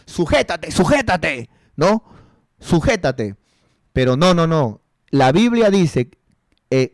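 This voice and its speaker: A man's voice: on the high side, darkish tone, no echo, clean studio sound. A male pastor giving a counseling sermon, repeating rhetorical questions and calling his listeners brother and sister.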